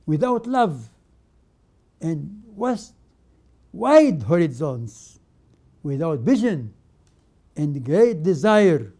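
An older man whose first language is Arabic, presenting a religious program as a patriarch and giving a sermon in short, emphatic phrases with many pauses. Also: fairly high pitch, very animated, dark tone. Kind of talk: slow spoken sermon.

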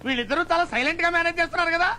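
A whiny comic servant. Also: male voice, extremely high pitch, rapid-fire, pushed and bright, a little hiss or hum, heavily acted. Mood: wheedling. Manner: whining, pleading, wisecracking. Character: cringing comic male servant, whiny, scheming. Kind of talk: comedic Telugu film dialogue. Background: film score.

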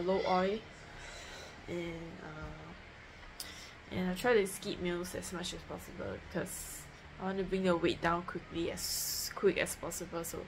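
A young woman talking straight into a phone held close at home, her voice sitting a little low. She wanders through her points in a plain, matter-of-fact way, full of fillers and restarts. There is a steady hiss of background noise under the voice. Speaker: vlogger. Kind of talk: casual diet vlog to camera. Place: home, indoors. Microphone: phone held close at arm's length. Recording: noisy home phone recording.

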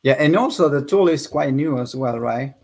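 A man's voice: medium pitch, expressive, normal speed, gravelly, darkish tone, husky. Friendly young man from Peru hosting. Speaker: interview host. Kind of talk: casual video-call interview.

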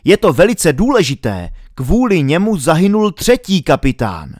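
A talking bird that speaks in a captain's grave voice, urgent and earnest voiced by a male storyteller. The intonation is lively and pressing. The recording is close with no room sound. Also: fairly high pitch, no echo, voice pushed up.

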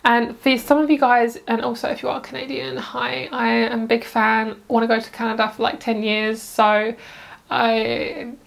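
A chatty woman with a slightly high voice reads tarot cards at home. She rambles cheerfully, stops herself mid-thought and wanders into side comments before getting back on track. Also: flat delivery, moderate pace, gravelly. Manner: chatty, rambling, self-interrupting with asides. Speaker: tarot reader. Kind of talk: casual pick-a-card tarot reading.

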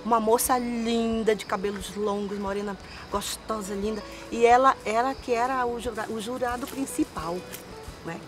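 Older female singer, lively storyteller, lapel mic outdoors, light music bed. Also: a little high, normal speed. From Manaus, Brazil. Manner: animated, lively storyteller with hand gestures. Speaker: singer guest. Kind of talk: storytelling interview answers. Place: outdoors in a forest park.

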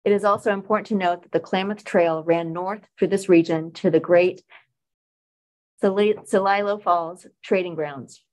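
A woman's voice: lowish voice, low-quality recording. Woman reading a formal statement. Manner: careful, steady reading aloud. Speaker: commissioner. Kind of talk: reading a land acknowledgment.

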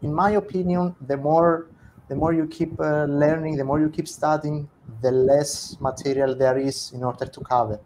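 A young man from Cyprus with a Greek Cypriot accent, talking casually on a video call through an earphone mic as a guest, relaxed and thoughtful. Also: fairly high pitch, moderate pace, noisy background. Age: young adult. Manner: relaxed, thoughtful, self-correcting. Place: home room. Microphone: earphone headset on a video call.

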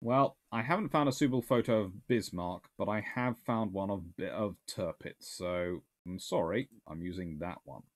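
A man's voice: on the low side, moderate pace. A man, a naval historian answering viewer questions in a casual live Q&A, rambling and correcting himself as he thinks aloud. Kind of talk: casual livestream Q&A. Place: small home study lined with books.

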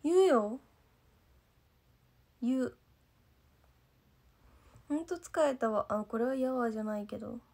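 A young idol trainee from Gifu, Japan, chats loosely with fans on a livestream and reads their comments, using mostly standard Japanese with a light Gifu dialect. Her voice is on the high side, expressive and gravelly with a darkish tone, slow and full of pauses. She rambles, often loses her thread, and fills with "nanka."

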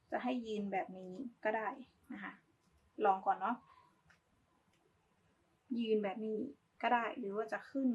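A woman's voice: mid-range voice, husky, muffled recording. A woman giving a casual, polite step-by-step craft tutorial, talking as she demonstrates. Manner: informal, polite, talks while demonstrating.

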